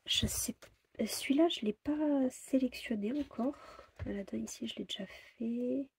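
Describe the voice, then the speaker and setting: A woman's voice: fairly high pitch, moderate pace, gravelly, mellow, a little hiss or hum. A woman chatting casually about her coloring plans, hesitant, with many fillers and repeated words. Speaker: coloring vlogger.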